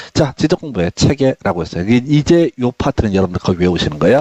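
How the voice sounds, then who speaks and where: The intonation is lively. The sound is dry and close with no echo. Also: man. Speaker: exam prep lecturer. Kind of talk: lecture. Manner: repetitive.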